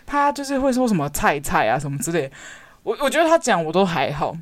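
A young woman with a Taiwanese Mandarin accent is chatting with her co-host. Her voice leaps up and down as she tells stories at a quick clip. The recording is dry and close. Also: fairly low pitch, no echo. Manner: animated storyteller, breaks into laughter. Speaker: podcast co-host. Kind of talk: casual chat.

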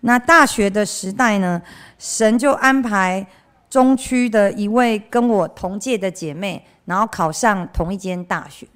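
A woman's voice: medium pitch, a little slow, fairly bright tone, clean tone. Chatty woman with a Taiwanese Mandarin accent. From central Taiwan. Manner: chatty and candid, often trailing off with "like this"; acts out the voices of people she quotes. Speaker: church member giving a testimony. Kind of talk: personal testimony talk.

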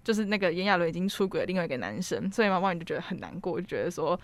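A woman with a Taiwanese Mandarin accent hosting a casual chat, retelling scenes in an excited, gushing way. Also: on the low side, racing. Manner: excited, gushing storyteller, laughs often. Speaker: host.

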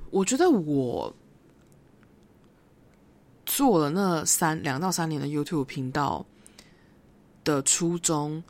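Low-voiced Taiwanese woman musing aloud. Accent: Taiwanese Mandarin. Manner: reflective and rambling, slips into English phrases. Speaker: podcast host. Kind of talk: casual solo podcast monologue.

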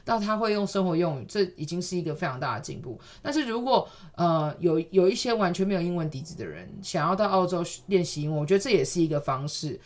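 A woman's voice: fairly low pitch, expressive, fast, hardly any pauses, a little mellow. A woman with a Taiwanese accent giving casual conversational advice in an explanatory, emphatic way, often repeating phrases for emphasis.

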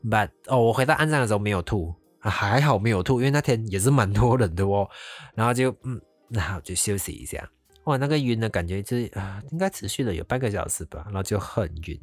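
A young man from Malaysia, casually telling a personal story as host, animated and sprinkling in English words. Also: on the low side, dry recording, soft background music. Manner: animated, mixes English words into Mandarin, drawn-out exclamations.

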